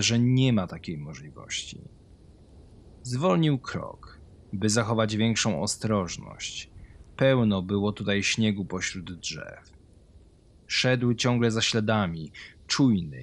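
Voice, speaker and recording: Male narrator, slightly low pitch, scripted horror storytelling, creepypasta reading.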